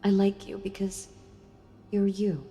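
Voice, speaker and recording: A woman playing a sealed-away female villain in an audio role-play, speaking to the listener tenderly, intimately and with hesitant pauses. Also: mid-range voice, flat delivery, dark tone, close to an everyday voice. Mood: tender, earnest. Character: sealed-away female villain, wistful, softly seductive and enthralled. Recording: long reverb with music behind. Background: music.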